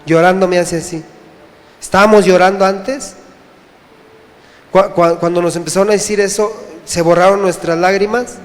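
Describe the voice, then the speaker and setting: A man from Mexico giving an earnest, halting personal testimony to a church congregation, often repeating himself. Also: high voice, steady tone. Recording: echoey church hall.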